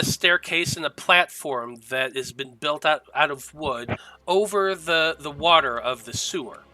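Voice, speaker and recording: A man narrating a tabletop game as game master, describing scenes in a halting, measured way. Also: a little high, sharp tone, no echo, low-quality recording.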